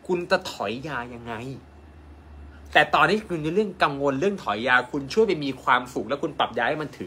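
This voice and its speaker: A man, a doctor, giving an animated live-stream sales pitch and asking his viewers rhetorical questions. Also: slightly rough. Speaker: acupuncture doctor selling an online course.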